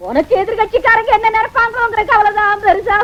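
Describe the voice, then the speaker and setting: A woman's voice: very high-pitched, steady tone, a little fast. An actress playing a politician's wife who nags and scolds her husband sharply. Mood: nagging. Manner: nagging, sharp-tongued, wailing. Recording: dull old film soundtrack.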